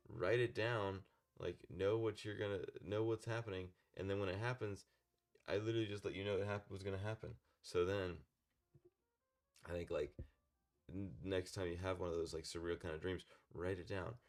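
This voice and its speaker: A man's voice: sits low, fairly even intonation, moderate pace. A man co-hosting a casual podcast, talking about faith and dreams in a rambling way, often restarting mid-word. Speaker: podcast co-host.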